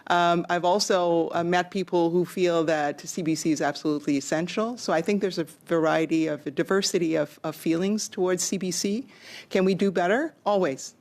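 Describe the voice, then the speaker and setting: A woman's voice: fairly low pitch, normal speed, a little mellow. A woman giving formal, diplomatic and somewhat hesitant answers as an executive witness at a hearing.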